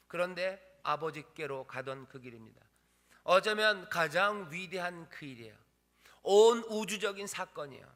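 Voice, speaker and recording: A male pastor preaches with a bright, forceful voice pitched a little high. He repeats his phrases for emphasis and swings from ringing declarations to soft, hushed lines. His voice carries a long reverb from a large church hall. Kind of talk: sermon. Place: church sanctuary.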